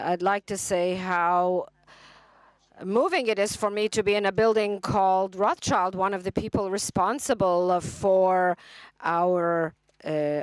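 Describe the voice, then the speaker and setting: A woman interprets a speech at a conference, speaking slowly in a smooth, clear voice. She halts often, restarts her phrasing and fills the gaps with brief fillers. The sound is close and dry. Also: on the low side, no echo. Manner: halting, with frequent restarts and fillers. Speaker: simultaneous interpreter. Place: conference hall.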